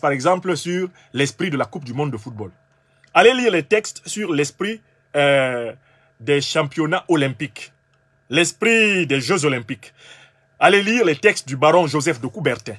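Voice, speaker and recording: A husky man from Cameroon lectures with emphatic, argumentative force. His voice sits high and swings widely in pitch. The sound is dry and close. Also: a bit bright, no room sound. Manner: emphatic, argumentative, addresses listeners directly. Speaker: political commentator. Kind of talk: lecture-style monologue.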